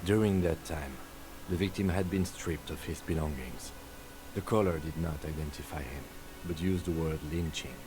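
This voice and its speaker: A man voicing a calm, methodical police lieutenant who briefs his partner in a measured, matter-of-fact way. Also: very deep voice, noisy background.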